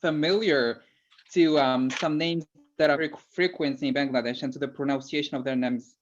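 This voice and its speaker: A man's voice: a little high, steady tone, moderate pace. A man with an Algerian accent co-hosting a live lesson, friendly and hesitant with many fillers. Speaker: co-host. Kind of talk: casual co-host chat on a live lesson. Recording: dull lo-fi call audio.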